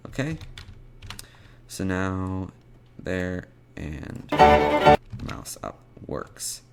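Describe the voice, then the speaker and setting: A man presenting an unscripted programming tutorial, thinking aloud in a halting way as he types out code. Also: deep voice, huge pitch swings, creaky, loud music behind the voice.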